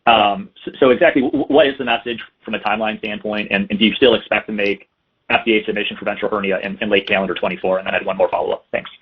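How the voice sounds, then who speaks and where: A man's voice: lowish voice, fairly even intonation, racing, husky. A man asking questions as an analyst on an earnings call, polite and tentative in his phrasing. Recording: phone-like conference call line.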